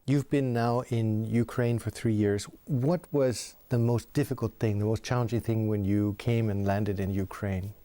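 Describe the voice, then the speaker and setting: Mellow-voiced male interviewer. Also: on the low side, fairly even intonation, moderate pace, hardly any pauses, dry recording. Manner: earnest, prompting, affirming the guest. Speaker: interviewer, host. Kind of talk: interview questions.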